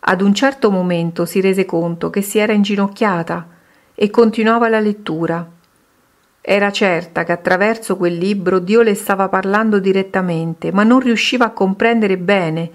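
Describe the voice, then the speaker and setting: A woman reading a Christian devotional book aloud in a steady, measured way. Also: medium pitch. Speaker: reader.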